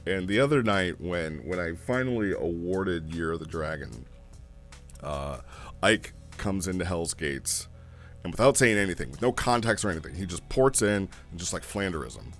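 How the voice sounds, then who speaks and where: A man hosting a casual review, talking informally and haltingly in an amused way as he thinks aloud. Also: low voice, lively intonation, a bit bright, soft background music. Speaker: host reviewing role-play logs. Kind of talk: casual rambling review commentary.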